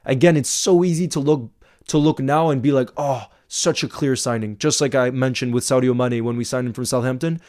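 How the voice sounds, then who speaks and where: A man's voice: mid-range voice, fairly even intonation, brisk, a little mellow. A man with an American accent, of half French and half Icelandic origin, hosting a casual football livestream, reading viewer comments and repeating words for emphasis.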